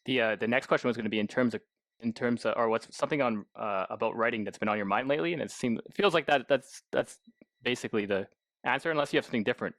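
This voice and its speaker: A man's voice: mid-range voice, quick pace, fairly bright tone, no echo. A man co-hosting a podcast, putting questions to a guest in a casual, conversational way. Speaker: podcast co-host, interviewer.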